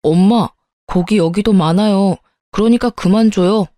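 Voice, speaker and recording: A woman's voice: medium pitch, unhurried, dark tone, no echo, studio quality, lightly acted. A woman voicing an exasperated grown son. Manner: exasperated protesting. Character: grown son and husband, exasperated with his mother.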